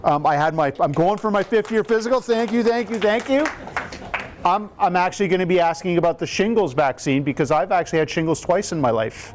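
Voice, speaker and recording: A man in his fifties with a booming voice leads a live question-and-answer session, explaining health matters in plain, upbeat talk. He pitches a little high and keeps turning to the room with rhetorical questions. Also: brisk, background noise. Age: 50s. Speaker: cardiac rehab educator.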